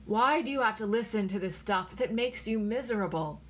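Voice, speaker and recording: A woman's voice: a little high, brisk, lightly acted. A woman voicing a tired, exasperated husband in a story, firm and remonstrating. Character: weary, exasperated husband, reasoning and reassuring.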